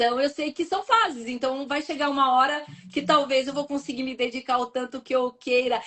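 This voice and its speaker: A woman talks fairly quickly in a high pitch. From Brazil, São Paulo state (Boituva). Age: 40s. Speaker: nutritionist and runner. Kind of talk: podcast interview.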